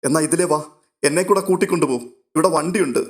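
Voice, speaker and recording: A man's voice: on the high side, fast talker, gravelly, voice pushed up. A man reading a worried young woman. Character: anxious, tearful young woman, devoted daughter.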